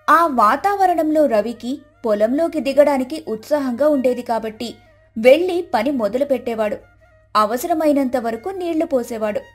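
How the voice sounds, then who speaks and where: High-pitched woman narrating a moral story.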